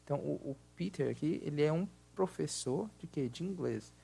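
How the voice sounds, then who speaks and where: A Brazilian man with a Portuguese accent who teaches an English grammar lesson. He explains patiently and repeats words slowly to model their pronunciation. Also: on the high side, lively intonation, creaky, mellow, a little hiss or hum.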